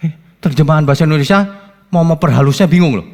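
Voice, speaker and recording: A male pastor preaching a sermon, swinging between high exclaims and low asides, with many rhetorical questions. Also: fast. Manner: lively preaching with sudden rises and drops, rhetorical questions. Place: church hall. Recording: long hall reverb.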